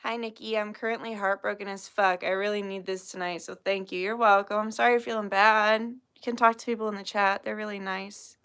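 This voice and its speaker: Bright-voiced young woman chatting on a livestream. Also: medium pitch, steady tone, a little fast, few pauses, smooth. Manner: laughs often, joking and swearing freely. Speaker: tarot reader livestream host. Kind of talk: casual livestream chat, reading chat messages.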